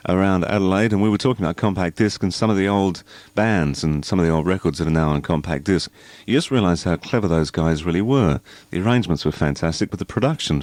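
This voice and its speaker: A low-voiced Australian man works as a radio DJ in an eighties style. He links songs and station promotions in a very dry studio sound. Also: a little mellow, no echo. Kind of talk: upbeat 1980s radio presenting.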